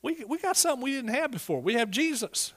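A man's voice: very high voice, sing-song, fast, a bit bright. A middle-aged man with an East Texas accent preaching a sermon in a folksy, emphatic way, prompting listeners as he goes.

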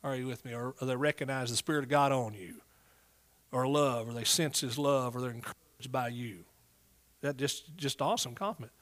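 A man's voice: mid-range voice, a little fast, a bit bright. A middle-aged man with an East Texas accent preaching a sermon in a folksy, emphatic way, prompting listeners as he goes.

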